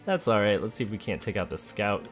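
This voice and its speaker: Male let's play host, lower-pitched voice, casual and chatty, talking through moves over background music. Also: quick pace. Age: adult, parent of a school-age child. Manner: relaxed, chatty, thinking aloud. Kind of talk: casual gameplay commentary. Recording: game music behind the voice. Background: video game music.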